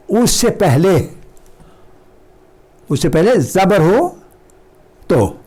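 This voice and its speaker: A middle-aged man with an Urdu accent teaching Quran recitation, repeating each word slowly and stretching its sounds for his students. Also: fairly high pitch, darkish tone. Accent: South Asian Urdu. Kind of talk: slow recitation lesson with drilled repetitions.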